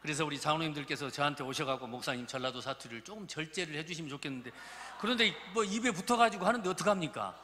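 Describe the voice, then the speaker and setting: A man's voice: on the high side, very fast, few pauses, pushed and bright, a little hiss or hum. A man in his fifties, a pastor with a Jeolla Korean accent, preaching a folksy, joking sermon to his congregation in a church. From Gurye, South Jeolla, Korea. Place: church sanctuary. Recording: reverberant church hall.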